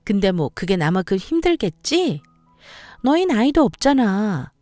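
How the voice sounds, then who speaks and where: A woman voicing a sharp-tongued, sarcastic sister-in-law who bosses and belittles her brother's wife. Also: medium pitch, very animated, unhurried, no room sound, faint music behind. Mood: mocking. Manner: sarcastic, bossy, needling.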